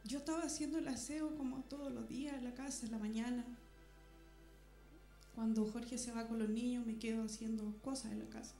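A woman quietly and earnestly recounts her experience at a church meeting. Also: fairly high pitch, steady tone, brisk, gravelly, soft background music. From Chile. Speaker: church member giving testimony. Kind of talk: personal church testimony.

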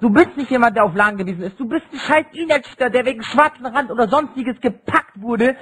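High-pitched young man in berserk rage. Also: animated, fairly quick, a bit bright, husky. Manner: berserk rage, screaming insults and threats. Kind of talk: heated online voice-chat argument. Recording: noisy, clipping gaming voice chat.

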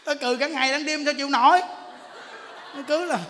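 A man's voice: extremely high pitch, brisk, crowd noise. A man, a Buddhist monk giving a humorous dharma talk, acting out little scenes as he tells them. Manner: animated storytelling, acts out quarrels, laughs often. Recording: long hall reverb, faint noise.

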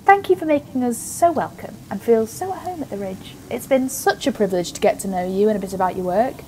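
Audio drama: female research scientist, played by a woman, brisk and wry, highish voice, some background noise. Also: expressive, a little mellow, close to an everyday voice, poor audio. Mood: brisk, affectionate. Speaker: actor. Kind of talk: naturalistic audio drama acting.

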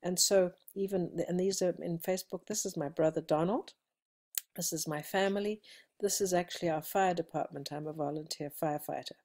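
A woman's voice: on the low side, steady tone, fairly quick, a little mellow. A middle-aged woman with a South African accent, introducing herself to her class in a conversational screencast, with frequent ums and restarts. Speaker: college instructor. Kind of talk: friendly self-introduction screencast. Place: indoors at a computer, seated. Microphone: webcam recording.

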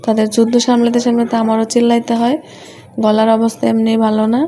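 A woman's voice: fairly high pitch, monotone, fast, warm tone. A woman in her thirties with a Gazipur Bangla accent, chatting to viewers as she cooks in her home kitchen. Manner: chatty, explains each dish to viewers. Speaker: mother and home cooking vlogger. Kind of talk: casual home vlog narration.

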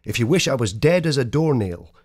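A man's voice: mid-range voice, expressive, fairly quick, darkish tone. A man who works as a voice-over actor, reading scripted ads, verse and prose in a polished, theatrical way. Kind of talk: voice-over demo reel of ads, poems and dramatic readings.

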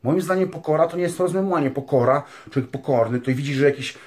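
A religious vlogger speaks earnestly in a casual spiritual monologue, rambling with plenty of fillers and tag questions and addressing listeners as dear ones. His voice is a little high and mellow, and he talks fast.

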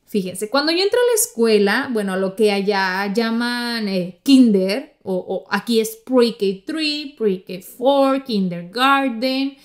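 A woman's voice: fairly high pitch, animated, slow, few pauses. A woman from Mexico with a Mexican accent, hosting a podcast and telling stories in a chatty way, talking straight to her listeners. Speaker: podcast host. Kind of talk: casual podcast monologue.

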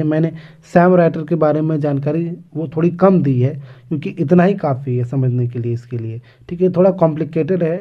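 A man teaching an exam lesson on English literature, reading English passages slowly and explaining them with many hesitations. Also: on the high side. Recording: dull lo-fi recording.

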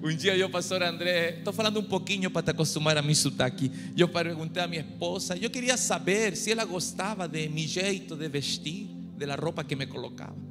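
A middle-aged Chilean man preaches on a large church stage with a handheld mic, his Spanish accent showing as he jokes and rallies the crowd. His voice sits a little high. A long hall reverb trails his words, and clear music plays underneath. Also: brisk, few pauses. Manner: humorous, mixes Spanish into Portuguese, rouses the crowd to shout. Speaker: guest pastor. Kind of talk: sermon.

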